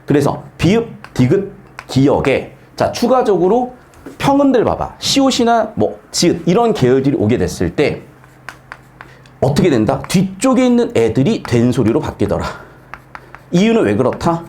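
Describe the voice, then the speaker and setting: Animated man teaching grammar. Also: normal speed. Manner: lively, swings pitch widely, asks rhetorical questions, blunt slangy asides. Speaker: Korean grammar tutor. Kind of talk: casual classroom lecture.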